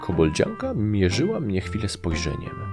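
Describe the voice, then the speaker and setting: A man reading a story as an audiobook narrator in an expressive, scripted style. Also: fairly low pitch, normal speed, over music.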